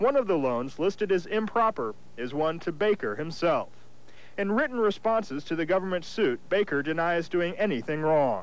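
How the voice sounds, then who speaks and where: At a moderate pace, a man with a high voice swings his pitch very widely on a very clean recording with a silent background. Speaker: TV news reporter. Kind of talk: news report.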